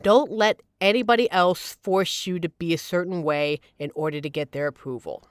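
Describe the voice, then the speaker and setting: A woman's voice: lowish voice, normal speed, no echo, clean studio sound, close to an everyday voice. A woman playing a supportive, playful young queer friend in an audio roleplay, talking casually and earnestly to reassure the listener. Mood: upbeat, encouraging.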